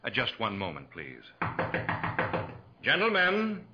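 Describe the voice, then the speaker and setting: A man's voice: mid-range voice, wildly swooping pitch, slow pace, over loud music. An actor playing a formal, deferential male club steward in a 1940s radio drama. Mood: polite, formal. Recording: dull, very noisy old 1940s radio recording.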